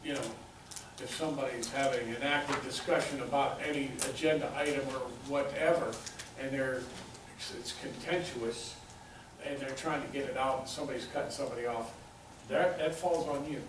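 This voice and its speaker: A man on a council who talks his view through in a measured way, pausing as he reasons. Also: medium pitch, fairly even intonation. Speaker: council member. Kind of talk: meeting discussion. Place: council chamber. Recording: very echoey chamber audio from far off with clear hiss.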